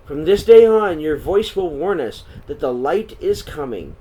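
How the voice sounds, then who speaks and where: A man's voice: a little high, expressive, unhurried, dark tone, voice pushed up. A man voicing a reverent young woman in a storybook, who proclaims solemnly to nature and spirits. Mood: solemn proclaiming. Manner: declamatory, solemn, ceremonious. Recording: clear background noise.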